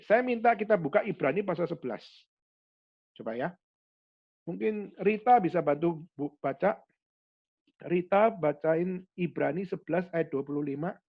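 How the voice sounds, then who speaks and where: A man preaching a sermon as a pastor, animated, dropping in English words and acting out quoted speakers. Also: sits high, highs cut off. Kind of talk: sermon to a youth fellowship.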